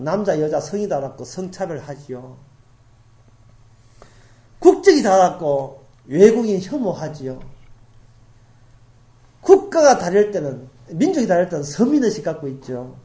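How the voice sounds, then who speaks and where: A middle-aged woman from Daegu preaching a sermon as pastor, repeating key phrases and swinging from loud emphasis to hushed asides. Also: fairly low pitch, sing-song, unhurried, pauses often. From grew up in Daegu, South Korea.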